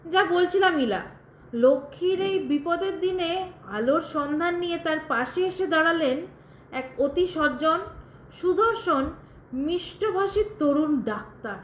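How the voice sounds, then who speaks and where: Actress as a high-voiced, bitterly ironic widow. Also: female voice, lively intonation, a little slow. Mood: sly, taunting. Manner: pointed, ironic, dramatic storytelling. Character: bitter, sardonic widowed woman telling her tragic story. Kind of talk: Bengali audio drama acting. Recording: roomy echo, faint background noise.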